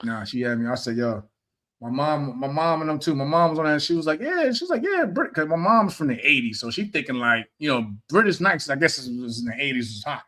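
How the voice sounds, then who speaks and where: A man's voice: mid-range voice, fairly quick. A man in his thirties co-hosting a podcast, telling stories with lots of animation and laughter in a casual chat. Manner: animated storyteller, laughs often. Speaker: podcast co-host.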